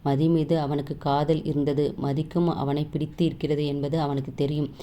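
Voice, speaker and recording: A woman storyteller reading a romance novel aloud in a calm, even manner. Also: low voice, normal speed.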